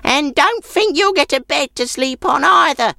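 A woman voicing a sour, stingy old woman in a cottage, high and snappish. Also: expressive, moderate pace, vocal fry, pushed and bright, dry recording, heavily acted. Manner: snappish, scornful.

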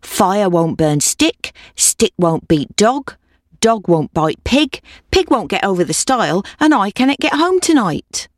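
A fretful old woman chants her pleas over and over in a lively, dry voice, as a woman reads her aloud. The sound is close and without room echo. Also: mid-range voice, unhurried, pitched above the performer's own voice. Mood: pleading. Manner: repetitive, sing-song pleading.

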